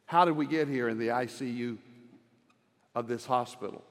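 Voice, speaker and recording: An older man, a pastor of many decades, giving a slow, earnest devotional sermon with emphatic repeated words. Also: mid-range voice, big-room sound.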